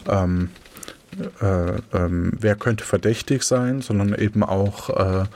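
Low-voiced man moderating a mystery game. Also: a little mellow. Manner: hesitant, explanatory. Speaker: game master. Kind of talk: casual moderation of a mystery role-playing game.

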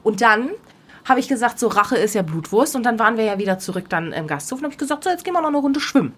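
Speaking quickly with a slightly high, breathy voice, a podcast co-host in her thirties relays an anecdote in a relaxed chat. She gets animated, acting out what each person said.

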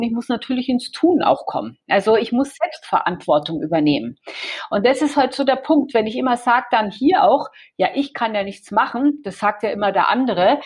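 A woman's voice: fairly high pitch, breathy edge. A woman, a guest author explaining her coaching method in an interview, hesitant with many fillers and restarts.

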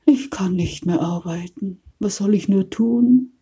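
A woman's voice: medium pitch, measured pace, mellow, husky, pitched above the performer's own voice. Woman doing a fretful old storybook rat. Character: old rat, weary, timid, longing to change.

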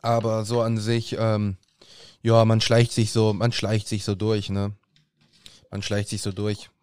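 A man's voice: lowish voice, monotone, measured pace, a little mellow, smooth, no room sound. A young man, a student facing exams, co-hosting a casual podcast and often laughing through his words. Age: young adult. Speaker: podcast co-host. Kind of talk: casual chat.

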